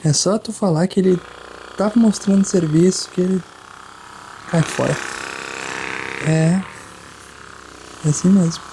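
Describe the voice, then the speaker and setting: A Brazilian speaker playing a chiropractor in an ASMR roleplay, chatting softly and informally with a joking streak. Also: medium pitch, unhurried, long pauses, background noise. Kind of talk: ASMR roleplay of a chiropractic session, soft casual chat.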